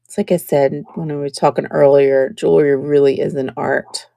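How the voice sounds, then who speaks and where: A woman, hosting a casual live jewelry sale and chatting as she shows each piece, sometimes dropping to a soft whisper. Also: low voice, steady tone, gravelly, no echo, studio quality. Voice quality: scratchy. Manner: slow, chatty, drops to soft whispers while showing pieces. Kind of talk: casual live-stream selling chat.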